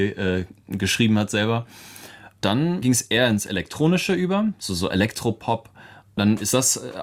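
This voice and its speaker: A young man in his twenties, a musician guest, answering interview questions in a casual, chatty way with frequent laughs. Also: on the low side. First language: English. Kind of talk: relaxed radio interview answers.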